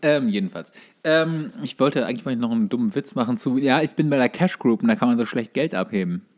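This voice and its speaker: Young guy bantering on a podcast, really quick talker, normal pitch, dry jokes. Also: expressive, darkish tone. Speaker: podcast co-host. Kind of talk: casual banter.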